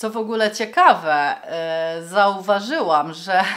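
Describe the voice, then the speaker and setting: A woman's pitch varies in an ordinary way against a quiet background. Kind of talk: casual vlog chat. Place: home room.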